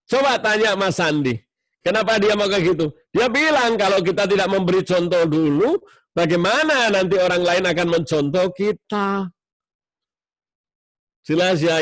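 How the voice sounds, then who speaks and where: A man giving a sermon to a mosque study circle, explaining with warmth and acting out tones of voice in his examples. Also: high-pitched, no echo.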